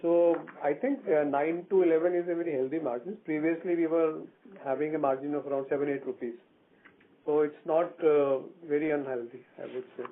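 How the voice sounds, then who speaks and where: Indian executive on a tinny phone line. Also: male voice, a little high, steady tone, brisk, slight background noise. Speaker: company executive answering analysts. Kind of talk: conference call answers. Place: telephone conference call.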